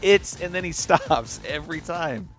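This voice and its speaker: A man's voice: a little high, animated, unhurried, over loud music. A man hosting a casual podcast chat, teasing his co-hosts and laughing often. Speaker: podcast host.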